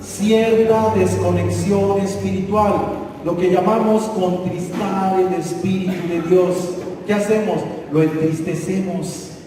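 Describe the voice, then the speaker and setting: A man preaching in a high, mellow voice, talking to his congregation as if in conversation and quizzing them. He is picked up from a distance in a large, echoing church hall with long reverb. A faint ambient hum sits underneath. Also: fairly even intonation, a little slow. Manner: conversational, asks the congregation questions, rising to shouts. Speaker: pastor. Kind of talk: sermon.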